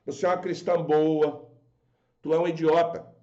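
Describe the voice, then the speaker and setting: Man, Brazilian Portuguese accent, scolding pastor's sermon, high pitch, muffled recording. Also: level tone, moderate pace, dark tone. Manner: fervent, scolding, acts out quoted voices. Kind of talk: sermon on a live stream.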